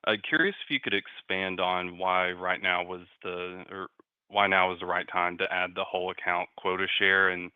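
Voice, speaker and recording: A man's voice: low-pitched, fairly even intonation, moderate pace, clean tone, no echo, phone-quality sound. A man asking questions as a financial analyst on an earnings call. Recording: slightly band-limited call audio.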